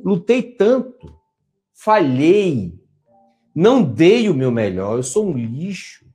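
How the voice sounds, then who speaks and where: A Brazilian man gives a motivational talk, his voice sitting a little high and swinging up and down with lots of life. He keeps coaxing the audience to answer him. Soft music plays quietly behind him. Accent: Brazilian Portuguese. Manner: animated, coaxing, asks listeners to answer. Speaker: motivational coach.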